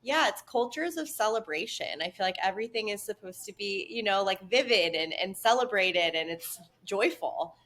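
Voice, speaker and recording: A woman's voice: mid-range voice, lively intonation, normal speed, hardly any pauses, fairly bright tone. A woman hosting a podcast interview, speaking thoughtfully and at length with frequent "like" and "you know.". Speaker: podcast host. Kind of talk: casual podcast conversation.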